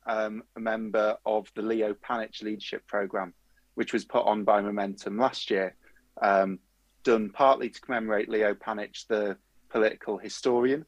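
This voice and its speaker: Low-pitched man with a Durham accent. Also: dry recording. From Durham, North East England. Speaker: guest, political activist. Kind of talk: conversational panel talk.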